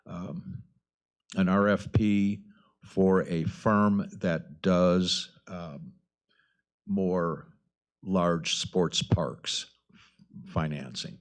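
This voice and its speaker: A man speaking as a council member, putting formal questions to staff in a halting, deliberate way. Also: low-pitched, steady tone. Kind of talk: formal questioning at a public meeting.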